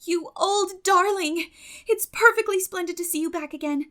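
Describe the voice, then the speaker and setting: A very high, excitable teenage girl, voiced by a woman reading a storybook. She is an affectionate best friend who stresses her words effusively, leaping well up in pitch. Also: normal speed. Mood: delighted.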